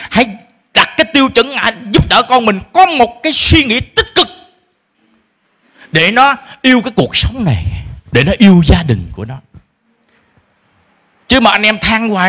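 A man's voice: high voice, bright, forceful tone. A middle-aged man preaching a sermon as pastor, emphatic, acting out parents' complaints in a shifting voice. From Vietnam.

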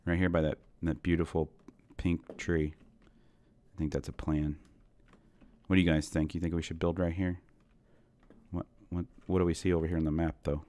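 Playing Minecraft for his gaming channel, a man in his thirties rambles to viewers with self-deprecating humor while sick, his voice going hoarse. It is low-pitched and dark in tone, with little pitch movement, at a normal speed.

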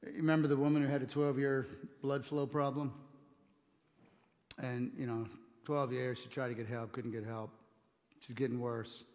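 A man's voice: medium pitch, little pitch movement, darkish tone. Earnest male pastor preaching in a reverberant hall. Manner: earnest, conversational preaching with quick restarts. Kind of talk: sermon. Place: church stage with communion table.

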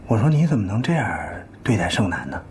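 A stammering, wheedling husband. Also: male voice, fairly low pitch, very animated, fast, slight background noise. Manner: stammering, wheedling, often hushed. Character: flustered middle-aged husband, coaxing and sheepish. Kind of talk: TV drama acting.

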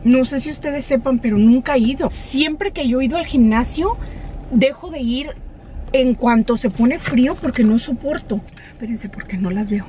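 A woman's voice: high-pitched, normal speed, dark tone, poor audio. A woman in her thirties chatting to her viewers from the driver's seat as she runs errands. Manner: chatty, switches into English with staff and kids. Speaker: vlogger. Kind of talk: casual chat to camera while driving. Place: inside a car, in a drive-through and parking lot. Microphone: camera mounted on the dashboard. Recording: car interior with clear road noise.

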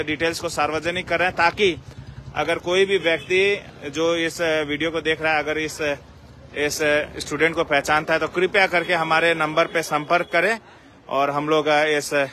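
A man giving a halting, repetitive live news appeal in formal address, recorded outdoors on a phone in a market street. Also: on the high side, sharp tone. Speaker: local news reporter. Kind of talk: live street report, unscripted public appeal. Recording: street noise around handheld phone recording. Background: street ambience and vehicles.

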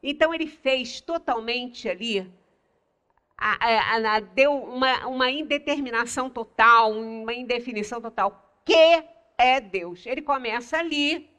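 An older woman with a Brazilian Portuguese accent leads a religious study talk, her voice high and bright. She explains patiently, pausing to stress key words. She is picked up in a small indoor meeting room. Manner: explanatory, stresses single words with long pauses. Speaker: lecturer at a spiritist center.

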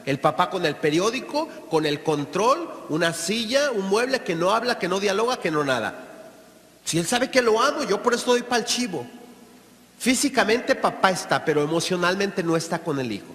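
Mexican guy, pretty high voice, earnest talk to a crowd, acts out the people in his stories, long hall echo. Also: very animated, normal speed, a bit bright. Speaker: Catholic lay apostolate speaker. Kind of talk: talk to an audience.

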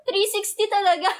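A young woman hosting a casual livestream, telling a story in a chatty way and giggling often. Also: very high-pitched. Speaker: livestream host. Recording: music playing in the background. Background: background music.

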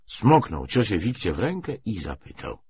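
A man reading literary prose aloud as an audiobook narrator, with a husky voice. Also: lowish voice, big pitch swings, normal speed, darkish tone, highs cut off, slight background noise.

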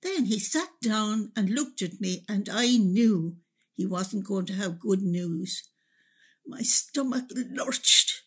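Woman playing a husky, slow-talking older Irish mother. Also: mid-range voice. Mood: grave recollection. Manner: slow, reflective, expressive. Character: older Irish mother recalling wartime hardship, wistful and resilient. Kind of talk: radio drama monologue, reminiscing storytelling.

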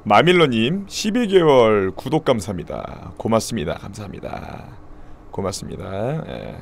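A man streaming live with a hoarse voice, chatting casually and thanking subscribers. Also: lowish voice, big pitch swings, moderate pace, a little hiss or hum.

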